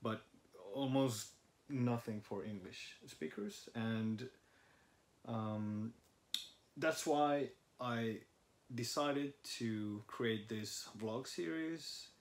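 A man's voice: mid-range voice, extremely slow. A young man from Finland, a native Finnish speaker, hosting a casual language-study vlog from a living room sofa, thinking aloud with fillers. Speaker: vlog host. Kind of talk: casual chat. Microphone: camera in front of a couch.

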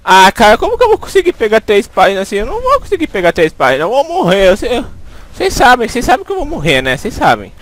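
A man's voice: sits high, huge pitch swings, quick pace, a bit bright. A young Brazilian man with a Brazilian Portuguese accent giving jumpy, swearing commentary as he plays a horror game into a headset. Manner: jumpy, swearing, panicky pleading. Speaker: gaming YouTuber.

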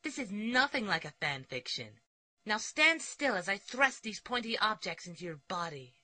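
Guy doing a flamboyant show-off kid fighter, singsongy taunts, lively pitch, dry sound. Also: moderate pace, dry recording, exaggerated voice. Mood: taunting. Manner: taunting, sing-song, camp. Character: vain flamboyant young masked fighter. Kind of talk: fan parody dub.

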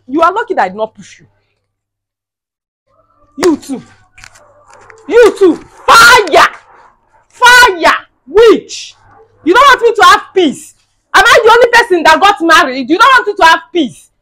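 A woman's voice: high-pitched, fairly bright tone, rough recording. A woman playing a ranting young wife. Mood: furious. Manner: ranting, scolding, repeats herself. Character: fiery young wife feuding with her mother-in-law. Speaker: skit actor. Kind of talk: comedy skit acting.

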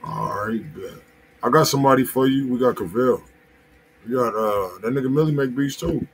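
A man's voice: medium pitch, normal speed, poor audio. A man with an American accent co-hosting a music review stream in casual, slangy talk. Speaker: co-host of music review show. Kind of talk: casual livestream chat, slangy. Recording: loud background noise.

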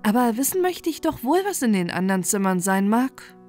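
A woman's voice: fairly high pitch, sing-song, fairly quick, darkish tone, faint music behind. A cheerful young prince, as a woman reads him. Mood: wondering. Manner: cheerful, wondering exclamations. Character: young king's son, cheerful and curious.

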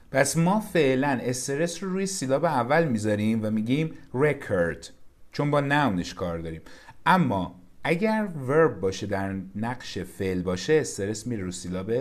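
A man with a Persian accent teaches English vocabulary from a textbook. He reads each English phrase slowly, then explains it in his own language. His pitch moves up and down freely as he talks.

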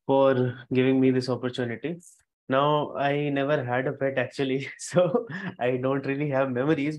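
A young man giving an impromptu club speech over a video call, hesitant and full of fillers. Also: medium pitch. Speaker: club member answering a table topic. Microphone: headset on a video call.

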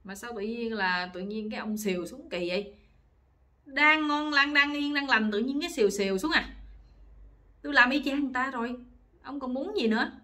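A woman's voice: fairly even intonation, brisk, a bit bright, lightly acted. A woman voicing an exasperated older wife who scolds her husband. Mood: scolding. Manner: shrill, scolding complaints.

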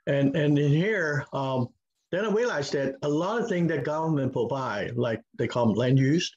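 Hong Kong-accented man, 50s, husky voice, hesitant interview talk, muffled video-call sound. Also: on the high side, lively intonation, darkish tone. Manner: halting, many fillers and restarts. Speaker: farm owner, guest. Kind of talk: casual interview answers. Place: home room with log walls, indoors.

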